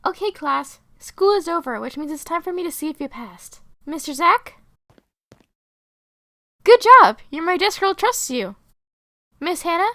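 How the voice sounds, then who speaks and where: A woman voicing a prim, stern but fair female teacher with a formal, measured manner in an animated roleplay story. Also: very high voice, dry recording, heavily acted. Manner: formal, measured, addresses pupils by title. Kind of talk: hobby animated roleplay voice acting.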